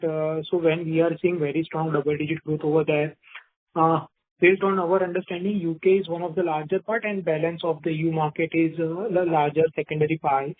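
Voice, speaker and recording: A man's voice: a little high, dry recording. A man asking questions politely as an analyst on a call. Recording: thin telephone line.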